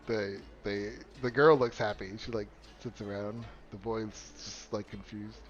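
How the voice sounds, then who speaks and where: A man's voice: lowish voice, steady tone, measured pace, dull audio, soft background music. A man narrating a tabletop game as game master, casual and rambling, often breaking into laughter.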